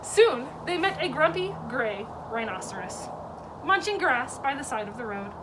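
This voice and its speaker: A woman reads a children's story aloud in a high voice that swoops up and down. She is picked up from a distance, with clear noise behind her. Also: sing-song, moderate pace. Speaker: zoo educator reading a story.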